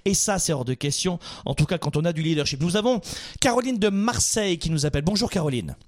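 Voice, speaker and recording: A man speaks as the host of a motivational coaching show, in a fairly high voice. His intonation is very animated, moving widely up and down as he urges listeners on and fires rhetorical questions at them. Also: quick pace. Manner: emphatic, exhorting, rhetorical questions. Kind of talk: motivational talk, direct address to listeners.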